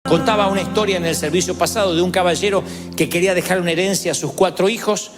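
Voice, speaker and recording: A man preaching a sermon, telling stories and rising to shouted calls to celebrate. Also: high voice, fast talker, big-room sound, faint music behind. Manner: storytelling, building to shouted exhortation. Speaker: pastor.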